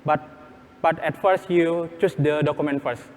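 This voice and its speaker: A man presenting a hands-on workshop step by step in non-native-sounding English, halting and repeating his phrases. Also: on the high side, steady tone, darkish tone. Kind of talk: live hands-on tutorial, step-by-step instructions. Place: workshop room at a conference. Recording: echoey hall, background room noise.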